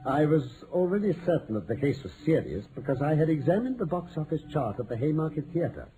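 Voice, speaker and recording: A self-assured British detective in an old radio mystery. His mellow voice moves freely up and down as he lays out his reasoning with theatrical precision. The old broadcast recording carries some noise. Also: a little high, big pitch swings, brisk, rough recording. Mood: lecturing. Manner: theatrical, articulate, lecturing. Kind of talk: 1940s-50s radio mystery acting.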